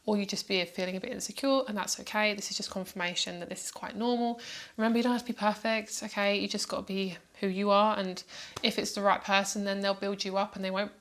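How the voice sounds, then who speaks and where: A woman reads tarot cards in a casual, chatty style at a middling pitch. She meanders from one impression to the next and speaks directly to the listener in a reassuring way. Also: fairly bright tone. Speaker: tarot card reader. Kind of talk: casual intuitive tarot reading to viewers.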